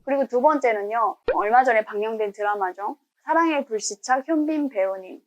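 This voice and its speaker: A woman's voice: a little high, brisk. A woman from Pyongyang, North Korea, giving earnest, enthusiastic commentary in a talking-head vlog. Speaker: YouTuber.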